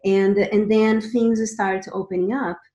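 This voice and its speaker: A woman's voice: medium pitch, level tone, unhurried, warm tone, roomy sound. A middle-aged woman from Brazil, a guest telling her personal story in an earnest way, often restarting and repeating words. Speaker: guest, Akashic Records teacher.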